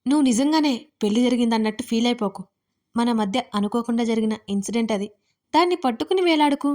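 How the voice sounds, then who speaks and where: Woman reading harsh commanding young husband for audio storybook, sharp scolding questions, fairly high voice. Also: expressive, quick pace, natural voice. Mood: angry, demanding.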